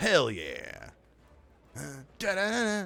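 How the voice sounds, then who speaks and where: In an animated, bright and sharp tone with vocal fry, a man swings very widely in pitch. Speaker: game streamer. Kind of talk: casual live stream chat while gaming. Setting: home streaming setup with pop filter mic. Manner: loud.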